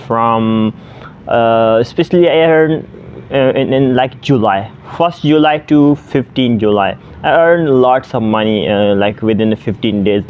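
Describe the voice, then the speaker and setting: A young man from Pakistan, native Sindhi speaker, chats to camera about tutoring online. His medium-pitched voice halts often on fillers and restarts. The audio sounds slightly dull and lo-fi. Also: a little mellow, slight background noise. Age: 20s. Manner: hesitant, many fillers and restarts. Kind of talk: casual vlog to camera.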